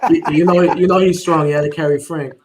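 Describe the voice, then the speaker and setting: Teasing, high-voiced podcast host. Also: male voice, fairly even intonation, fast, noisy background. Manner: teasing, keeps pressing questions. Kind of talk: casual podcast chat.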